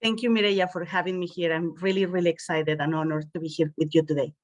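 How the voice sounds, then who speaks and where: A woman's voice: on the low side, fairly even intonation, quick pace, a little mellow, dry recording. Mexican-accented woman, dry close sound. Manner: chatty, frequent um and uh fillers. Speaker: guest. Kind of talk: casual interview storytelling.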